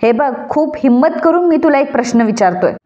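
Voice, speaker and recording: A woman's voice: sits high, animated, a little fast, warm tone. A woman voicing an angry young husband who feels deceived, speaking in bitter accusing outbursts. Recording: dull lo-fi recording.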